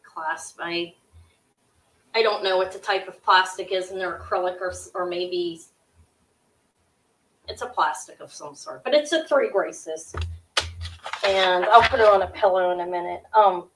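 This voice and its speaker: A middle-aged woman with a sharp, high-pitched voice runs a live jewelry auction into her webcam at home. She talks quickly and loosely, filling gaps with ums and self-corrections as she chats with viewers. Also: poor audio. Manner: quick, scattered, chatty with frequent ums and restarts. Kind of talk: casual live-stream selling. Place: small home room with shelves of jewelry displays.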